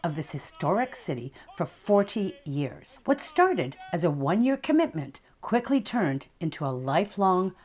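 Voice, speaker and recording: A woman's voice: lowish voice, sing-song, unhurried, few pauses, a little mellow. A woman reading scripted narration for a local news feature in a polished, formal way.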